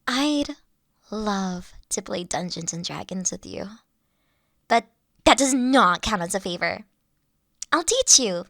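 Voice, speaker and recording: Woman voicing a bashful nerdy dragon girl, high-pitched. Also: fairly bright tone, no echo, clean studio sound, full character voice. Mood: eager, flustered. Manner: bashful, earnest, halting, giggly. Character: shy, nerdy, self-deprecating big young female dragon student. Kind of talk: intimate one-sided character audio roleplay.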